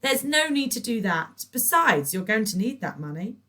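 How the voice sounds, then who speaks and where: A woman's voice: a little high, very animated, moderate pace, bright, forceful tone, voice pushed up. A woman voicing a sickly sweet, scheming middle-aged neighbour in a storybook, trilling and gushing with pet names. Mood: gloating. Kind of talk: storybook reading.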